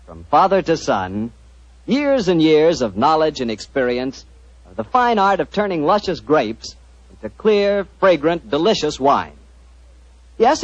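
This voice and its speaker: A man's voice: on the high side, no echo. A man as radio announcer, reading scripted ad banter in breezy, folksy salesman patter. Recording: dry, dull old radio recording.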